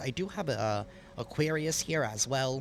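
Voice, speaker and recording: A man's voice with music in the background. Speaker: tarot reader. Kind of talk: tarot reading.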